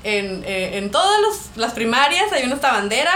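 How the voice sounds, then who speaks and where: Young Mexican woman, animated storyteller, high-pitched, roomy echo with faint noise. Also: normal speed. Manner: animated, laughs often, acts out quoted voices. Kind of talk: casual storytelling chat. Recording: echoey room with faint noise.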